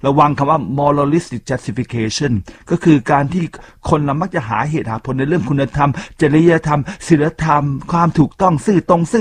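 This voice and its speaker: A man's voice: fairly high pitch, breathy edge. A man hosting a radio talk show, talking chattily to his listeners with frequent asides. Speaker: radio host.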